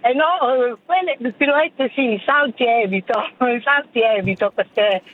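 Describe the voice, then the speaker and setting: A woman in her seventies calling a radio show from her car on a hands-free speakerphone, talking in a hesitant, halting way with many fillers. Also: on the high side, crowd noise. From Bari, southern Italy. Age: 70s. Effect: speakerphone call from a moving car. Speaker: radio caller. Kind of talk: phone-in chat. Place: in a car while driving. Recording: tinny phone line, faint car noise.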